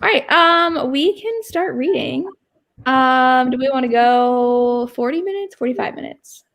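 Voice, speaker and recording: A woman with a high voice hosts a live readalong. She talks in a casual, informal way and readily pokes fun at herself. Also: expressive, a little slow, fairly bright tone. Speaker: livestream readalong host. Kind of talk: casual group chat.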